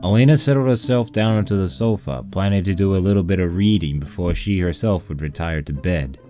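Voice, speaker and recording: A man's voice: sits low, fairly quick, dark tone. A man reading a fan fiction story aloud as scripted narration. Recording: poor-quality mic with music bed.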